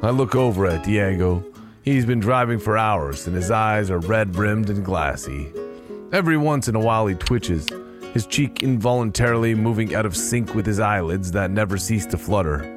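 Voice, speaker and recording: A man's voice: fairly low pitch, moderate pace, over music. A man narrating an audio drama in the first person with a dry, sardonic manner.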